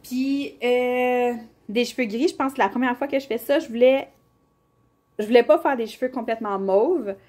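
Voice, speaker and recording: A young woman with a Québécois French accent chats casually while showing colouring books, rambling with fillers and restarts. Her voice is fairly high and somewhat dark, at a moderate pace.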